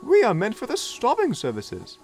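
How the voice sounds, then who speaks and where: A man putting on fussy, prim female coaches, pitched far above his own voice and shrill with affront. They sound easily startled and old-fashioned, with music playing behind. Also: huge pitch swings, normal speed, full character voice. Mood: indignant.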